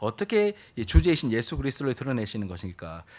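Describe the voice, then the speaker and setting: Talking at a very fast pace, a man of medium pitch comes through in a very clean recording with a silent background. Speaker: pastor. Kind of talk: sermon. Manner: speeding up.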